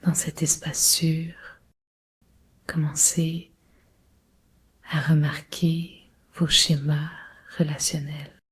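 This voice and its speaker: A woman leading a guided relaxation meditation in a breathy, husky, often near-whispered voice, giving slow, soothing, measured instructions. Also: sits low, little pitch movement, fairly bright tone. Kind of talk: guided Yoga Nidra meditation.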